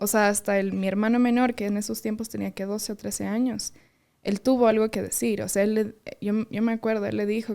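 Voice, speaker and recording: On a very clean recording with a silent background, a woman speaks at a fairly quick pace with a dark, mellow tone. Her pitch is medium and her intonation monotone and flat. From Ecuadorian Amazon (Sarayaku), partly raised in Finland. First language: Kichwa and Swedish (speaking Spanish). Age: young. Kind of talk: podcast interview. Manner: halting, many fillers; crisp consonants.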